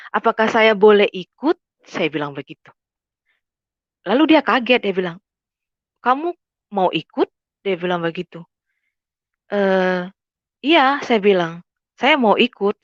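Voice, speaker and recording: A woman recounts a personal testimony in a hesitant, halting way, pausing on fillers as she retells old conversations. Her voice sits low for a woman and sounds dry and a little dull, like a lo-fi recording. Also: no echo. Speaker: testimony speaker.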